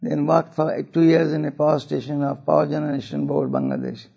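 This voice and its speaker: An older man with a South Asian accent gives a religious talk to an audience, phrasing deliberately and dropping in Urdu and Arabic phrases. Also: a little high, lively intonation, gravelly, warm tone, husky, muffled recording. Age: older, 70s or above. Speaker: religious speaker.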